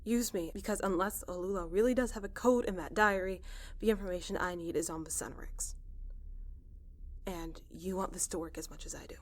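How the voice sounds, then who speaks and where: A woman's voice: a little fast, close to an everyday voice. Woman acting a weary, defiant young spacefarer woman. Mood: determined. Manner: blunt, low-key. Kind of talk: science fiction audio drama.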